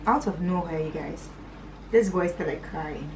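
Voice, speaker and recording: A woman's voice: measured pace, far from the mic, a little hiss or hum, poor audio. Chatty young woman telling a story. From Northern Nigeria. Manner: chatty and animated, pitch swinging high and dropping to low asides. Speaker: vlogger. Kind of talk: storytime vlog.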